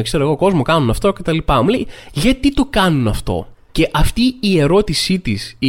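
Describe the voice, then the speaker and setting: A young man rambles through a comic story on his podcast in a casual, slangy voice that sits a little high. He acts out the people he quotes as he goes. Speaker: podcast host. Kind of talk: comic monologue.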